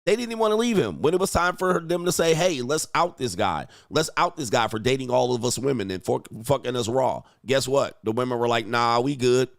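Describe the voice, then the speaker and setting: A man with a medium-pitched voice, lively intonation and vocal fry talks fairly quickly with hardly any pauses, in a studio-quality recording without echo. He comments on clips as a dating coach, brash and mocking, swearing and punching words with sudden emphatic swells in provocative reactions.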